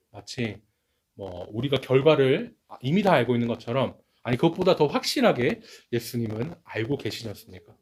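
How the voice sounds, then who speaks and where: A man preaching a sermon as pastor, telling stories with lively delivery and acting out what people said. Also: medium pitch, husky. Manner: lively storytelling, acts out quoted speech.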